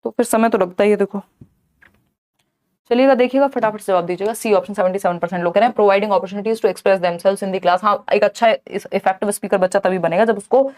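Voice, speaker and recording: A young woman teaching a live online exam-prep class, reading questions aloud slowly and answering viewers by name in a chatty, tired way. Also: medium pitch, steady tone, a little mellow. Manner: explains in Hindi mixed with English, reads questions aloud slowly.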